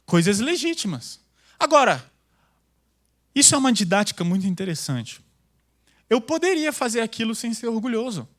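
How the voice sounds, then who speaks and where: A male pastor preaching in a church with a high, bright-edged voice. He talks intensely and loudly, dropping casual slang into his sermon. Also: sing-song, moderate pace, pauses often.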